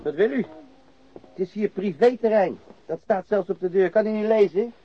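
An actor playing a gruff, insolent working man in a radio drama, blunt, coarse and impatient. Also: sits high, moderate pace. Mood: surly, hostile. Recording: muffled lo-fi radio drama recording.

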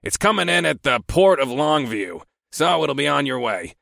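A man's voice: fairly high pitch, very animated, moderate pace, gravelly, a bit bright, no room sound, voice pushed up, heavily acted. A harsh, rusty growl of a boss, impatient and snide, clipping his words short. A man acts him out in a dry, close sound. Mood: curt, snide. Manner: curt, snide. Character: gruff impatient male trucking boss.

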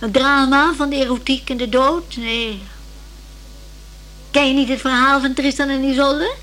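A woman's voice: high voice, fairly even intonation, normal speed, fairly bright tone. A woman playing a chatty, old-fashioned older lady in a radio play, rambling hesitantly and romantically about young people. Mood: wistful, romantic. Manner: hesitant, rambling, sighing over modern youth. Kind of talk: naturalistic radio play dialogue.

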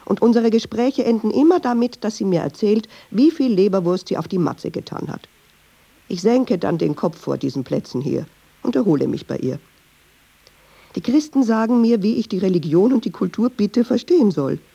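A woman's voice: medium pitch, lively intonation, moderate pace, vocal fry, warm tone, breathy edge, muffled recording. An actress playing a chatty, ironic Jewish woman who tells restless, digressive, insistent stories in a radio drama. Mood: wry, insistent. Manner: wry, digressive, insistent storytelling. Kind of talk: radio drama monologue in dialogue.

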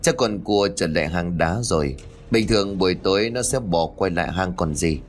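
A man's voice: sits low, normal speed, close to an everyday voice. A man voicing a thoughtful old grandmother who muses aloud in a storybook reading. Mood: puzzled. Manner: musing, questioning.

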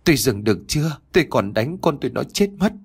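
A man voicing a grief-stricken young mother in a spoken horror story, raising his voice to a high, shrieking pitch. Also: very animated, quick pace, breathy edge. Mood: pleading. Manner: shrieking, sobbing delivery.

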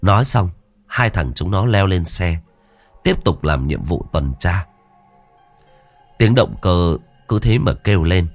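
A man's voice: sits low, lively intonation, slow pace, pauses often, dry recording, soft background music. A man narrating a ghost story in a vivid, colloquial way.

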